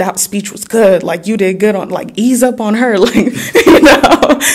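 A woman with an American accent, over a quiet background. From Oakland, US. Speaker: youth poet laureate. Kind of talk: interview answer. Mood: warm, animated. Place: studio. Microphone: handheld.

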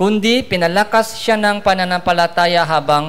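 Lively, high-pitched man's voice at a fairly slow pace. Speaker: sermon preacher. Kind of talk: sermon. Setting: church. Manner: earnest, teacherly, repeats key phrases and leads congregation in reading aloud. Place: church.

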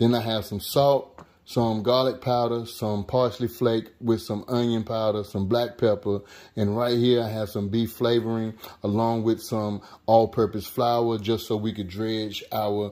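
Against a quiet background, a man speaks fairly slowly with a dark, mellow tone. His intonation is monotone and flat. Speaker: home cook channel host. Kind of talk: cooking tutorial. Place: kitchen.

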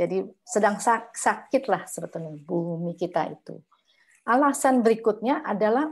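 A woman's normal speaking voice, fairly high in pitch, with lively intonation, a fairly slow pace, and a quiet background. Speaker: community composting co-founder; webinar presenter. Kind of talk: presentation on composting. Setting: video call. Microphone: video call.

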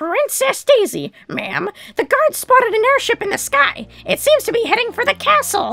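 A woman does a put-on character voice, squeaky and extremely high-pitched, with very wide pitch swings. She speaks at a moderate pace while faint music plays in the background. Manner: urgent, respectful.

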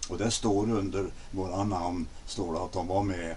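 Very slowly, a man speaks with vocal fry and a dark, mellow tone, using ordinary pitch variation. Light background noise is audible. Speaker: interviewee. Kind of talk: interview answer. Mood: relaxed, reminiscing. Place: garden.

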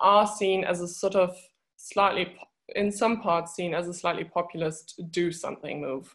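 A woman's fairly low voice with fairly even intonation, at a fairly slow pace against a quiet background. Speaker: press freedom advocacy officer. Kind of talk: panel discussion. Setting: video webinar. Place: home room. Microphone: video call.

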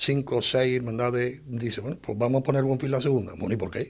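A man speaks in a somewhat breathy voice. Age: 60s. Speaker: brotherhood leader. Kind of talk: interview. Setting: meeting room. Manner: halting, repetitive. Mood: indignant, complaining. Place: home room.

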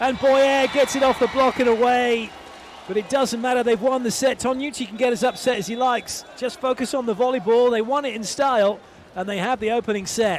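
A man with a British accent at an extremely high pitch and a fairly quick pace, with crowd noise in the background. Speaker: volleyball commentator. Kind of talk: live sports commentary. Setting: commentary booth. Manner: excitable.

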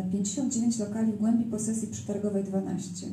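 Noticeable background noise accompanies a woman whose intonation is monotone and flat. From small town in Poland. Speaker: event moderator, interviewer. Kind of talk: moderated author interview. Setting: live event with audience, microphone. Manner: halting, many fillers.

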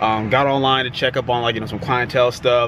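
A man with fairly even intonation, in a dry sound with no echo, over noticeable background noise. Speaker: fitness coach vlogger. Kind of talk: casual vlog chat. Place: car. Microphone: phone near.

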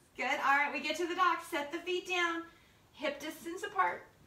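Ordinary pitch variation marks a woman's speech in an American accent. The room echo is audible. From US Maryland. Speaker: yoga instructor. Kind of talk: guided yoga class instruction, cueing movements and breath. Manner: calm, gentle, encouraging; slow, steady pace with friendly playful tone. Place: home room. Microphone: camera far.

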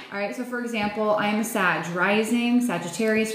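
A woman talks amid audible room echo and light background noise. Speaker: tarot reader. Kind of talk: casual livestream chat. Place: home room. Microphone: phone near.

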